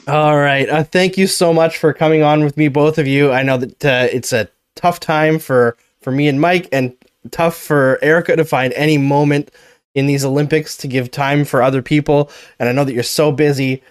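A man's voice: fairly high pitch, steady tone, moderate pace, clean tone, no echo, studio quality. Earnest man hosting a sports podcast. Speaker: podcast host. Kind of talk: casual sports chat.

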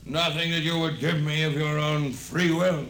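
An actor playing a zealous, defiant cult high priest in solemn, declamatory 1950s radio style. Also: male voice, steady tone, moderate pace, a bit bright. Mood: solemn defiance. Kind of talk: 1950s radio drama acting. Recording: echoey old radio drama sound.

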